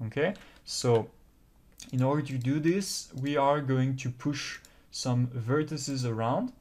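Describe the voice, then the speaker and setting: A man with a French accent talking through a step-by-step software tutorial, explaining carefully with frequent pauses. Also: mid-range voice. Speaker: tutorial host.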